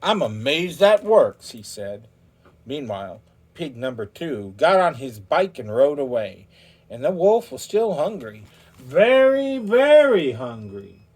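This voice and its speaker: A man's voice: mid-range voice, big pitch swings, takes it slowly, darkish tone. A man reading a children's story aloud in a theatrical way, drawing out words for emphasis and speaking directly to his listeners. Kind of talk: animated children's story narration.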